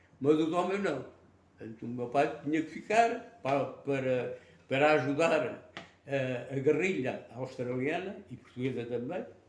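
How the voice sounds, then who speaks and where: A man's fairly high voice with lively intonation and big swings in loudness, at a fairly slow pace, amid noticeable background noise and audible room echo. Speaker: retired electrical engineer and author. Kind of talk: interview monologue. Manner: halting, with many fillers.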